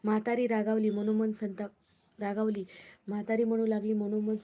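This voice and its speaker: A woman storyteller reading a devotional folk tale aloud at a steady pace. Her voice is strikingly flat, dark and mellow. She stumbles and restarts now and then. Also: medium pitch, fairly quick, low-quality recording. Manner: steady, plain recitation with small restarts.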